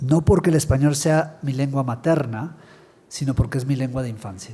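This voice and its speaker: A man's somewhat breathy voice, fairly high for a man, with a dark, mellow tone, ordinary pitch variation and a moderate pace. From Guatemala. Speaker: writer. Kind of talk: panel talk.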